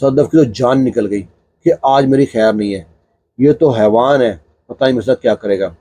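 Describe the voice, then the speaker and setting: Husky-voiced man telling a story. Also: medium pitch, mellow, no room sound. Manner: conversational, filler-laden narrating. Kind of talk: casual spoken storytelling.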